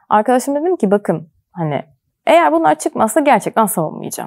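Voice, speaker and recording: A woman talks at a fairly quick pace with very wide pitch swings. The background is quiet. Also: dry sound with no echo. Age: 30s. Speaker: mobile app business developer and travel blogger; interview guest. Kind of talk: interview. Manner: hesitant, many filler sounds. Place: studio.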